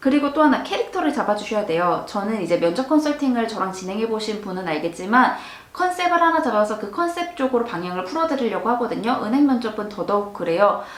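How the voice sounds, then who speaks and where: With audible room echo and noticeable background noise, a woman talks very fast with hardly any pauses, her fairly high voice showing very wide pitch swings. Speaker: job interview coach. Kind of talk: lecture.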